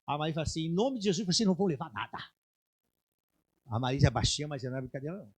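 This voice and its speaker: A middle-aged man preaching a sermon with personal testimony, moving from quiet storytelling to loud, shouted exhortation. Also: a little high, racing, slightly rough. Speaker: pastor. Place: church sanctuary.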